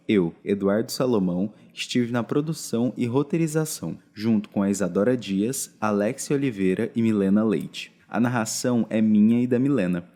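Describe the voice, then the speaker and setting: A man's voice: fairly low pitch, dark tone. A young Brazilian man reading scripted podcast narration. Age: young adult.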